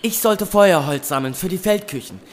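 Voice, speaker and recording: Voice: medium pitch, animated, normal speed, lightly acted. A performer playing a humble, eager medieval army servant boy who reports formally and deferentially to the king in a historical audio drama. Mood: earnest. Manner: deferential, formal, earnest storytelling.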